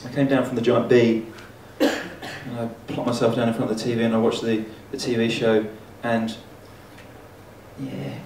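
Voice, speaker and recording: A male stand-up comedian from Essex, England, with an Essex accent, performs a deadpan routine of wry stories peppered with hesitant fillers. His medium-pitched voice moves at normal speed. The amateur recording is roomy, distant and noisy, made in a student comedy event hall with an audience.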